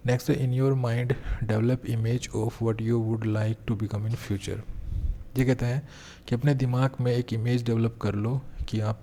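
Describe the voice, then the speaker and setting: A man teaches an exam-prep grammar lesson in a mellow, fairly flat voice, explaining each point step by step. He slows right down whenever he reads an example sentence aloud. A faint hum of room noise sits behind his close-miked voice. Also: mid-range voice. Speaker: English teacher.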